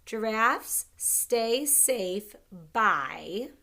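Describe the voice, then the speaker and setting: A woman teaching an early-grade reading lesson, sounding out words slowly and clearly with an upbeat, encouraging manner. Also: fairly high pitch, lively intonation, sharp tone.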